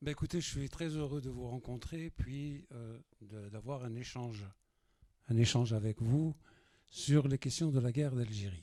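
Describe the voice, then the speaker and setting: A man's medium-pitched voice with a dark, mellow tone, fairly slow and marked by long, frequent pauses and big swings in loudness. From Algeria. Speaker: war veteran. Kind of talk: testimony. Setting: school panel with audience.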